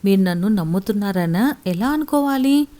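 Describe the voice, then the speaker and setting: A woman's voice: medium pitch, lively intonation, moderate pace, dark tone, close to an everyday voice. A woman voicing a young wife who pleads emotionally with her husband in a storybook tale. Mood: hurt, pleading. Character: young wife, wronged and tearful.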